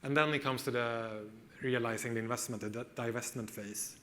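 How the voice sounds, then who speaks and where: A man's voice: medium pitch, fairly even intonation, fairly quick, pushed and bright, slight background noise. A man with a Swedish accent presenting at a tech conference, explaining steadily with some fillers, on a stage microphone. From Sweden. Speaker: conference speaker. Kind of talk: conference talk.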